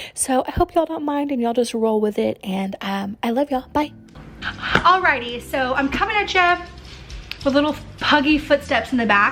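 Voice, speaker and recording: Lively intonation marks this speaker with a Southern US accent, heard against noticeable background noise. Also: woman, high pitch for a woman. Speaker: lifestyle vlogger. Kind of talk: casual chat. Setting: home kitchen. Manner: fast.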